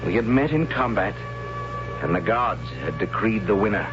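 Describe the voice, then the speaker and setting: A male actor plays an anxious young tribal warrior telling his tale in a 1970s radio drama. The voice is fairly low, theatrical and measured, with hesitant asides. It comes through a dull old broadcast recording with very prominent music. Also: expressive, natural voice. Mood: resigned. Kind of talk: 1970s radio drama acting, first-person storytelling.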